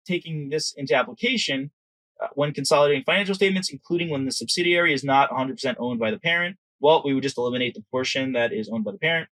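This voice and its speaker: A man's voice: fairly high pitch, fairly bright tone, dry recording, low-quality recording. A man giving an informal lecture as an exam prep instructor, conversational and often checking in with the listener.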